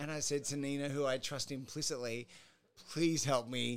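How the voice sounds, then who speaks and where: In an Australian accent, a man with a fairly high voice talks at a moderate pace with fairly even intonation. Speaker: music producer. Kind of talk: casual chat.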